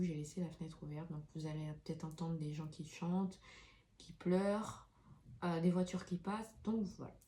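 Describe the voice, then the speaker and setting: A woman's voice: lowish voice, mellow. A woman reading oracle cards in a casual, chatty way, full of fillers and restarts, in a room with an open window. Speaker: tarot card reader. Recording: faint street noise through window.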